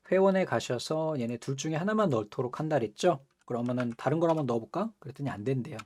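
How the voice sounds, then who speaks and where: A young man teaching a computer course over his screen, his voice mellow and warm with lots of rise and fall. He chats with his students, laughs easily and keeps tossing them quick questions. Keyboard typing clicks along behind him. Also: mid-range voice. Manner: chatty, asks students rhetorical questions, laughs often. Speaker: computer skills instructor. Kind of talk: screen-recorded software tutorial.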